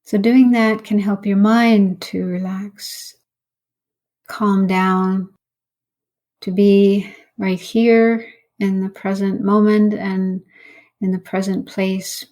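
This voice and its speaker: A woman, a meditation teacher, leading a guided meditation in an unhurried, instructional way with long pauses. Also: medium pitch, level tone, mellow.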